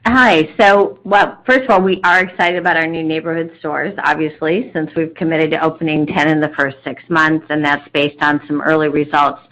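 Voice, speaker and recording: Lady exec on an investor call, lowish voice, explaining business results. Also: steady tone, normal speed, few pauses, fairly bright tone, highs cut off. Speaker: company chief executive on an earnings call.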